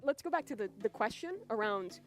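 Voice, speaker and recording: A young woman in her twenties from Denmark, an esports player teasing an interviewer with cocky deadpan jokes in a comedic skit. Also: on the high side, fairly quick. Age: 20s.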